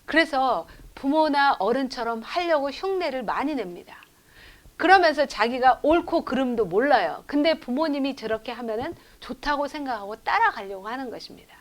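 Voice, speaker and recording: A middle-aged woman lectures on raising children in faith, her voice sitting a little high. She tells family stories in a lively way and keeps asking her listeners questions. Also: moderate pace. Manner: lively storytelling with rhetorical questions to the audience; acts out children's lines in quotes. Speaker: professor lecturing at a lay school. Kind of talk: church education lecture.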